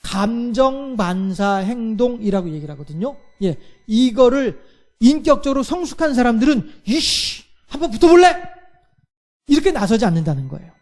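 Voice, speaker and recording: A man preaching a Wednesday church sermon. He keeps asking the congregation rhetorical questions and fills his pauses with a steady "yes". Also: very high voice. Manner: acts out everyday quarrels in lively voices. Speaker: pastor.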